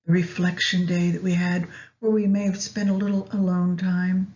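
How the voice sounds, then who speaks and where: A woman leading a guided meditation in a measured way, pausing between short phrases. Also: fairly low pitch, level tone, darkish tone, dull audio. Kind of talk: guided meditation with astrology commentary.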